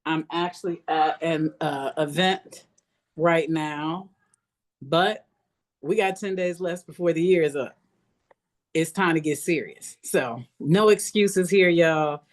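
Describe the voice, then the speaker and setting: A woman leading a live motivational online class as a coach, speaking emphatically and repeating phrases to encourage her listeners. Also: deep voice. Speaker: business coach hosting an online masterclass. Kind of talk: live motivational webinar talk.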